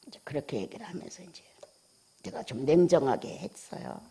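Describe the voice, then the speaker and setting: Husky woman preaching with dramatic swings. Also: low-pitched, big pitch swings, fairly quick. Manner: swings between emphatic exclamations and hushed near-whispers; scolding, rhetorical questioning. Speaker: pastor. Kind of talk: sermon.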